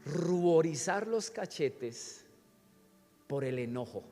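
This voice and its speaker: High-voiced pastor preaching. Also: male voice, lively intonation, takes it slowly, dark tone. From Colombia. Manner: teaching with frequent questions to the congregation. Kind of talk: sermon. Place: church sanctuary. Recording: church hall reverb with faint music.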